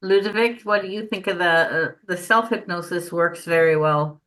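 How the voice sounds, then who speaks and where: A woman's voice: on the low side, moderate pace, fairly bright tone. A woman interviewing hypnosis trainers in a casual chat, giving short encouraging replies.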